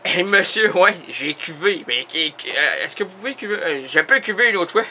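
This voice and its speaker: Guy doing a fake formal interview, exasperated, high bright voice. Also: animated, moderate pace, a little hiss or hum. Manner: mock-formal, exasperated questioning. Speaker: mock interviewer. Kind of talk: comedy sketch interview.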